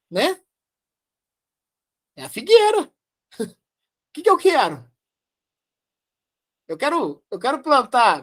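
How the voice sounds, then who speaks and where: A woman with a Brazilian Portuguese accent presents a Spiritist study, speaking slowly and deliberately. Her fairly high voice rises and falls a great deal as she repeats key phrases for emphasis and poses rhetorical questions. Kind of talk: devotional study commentary.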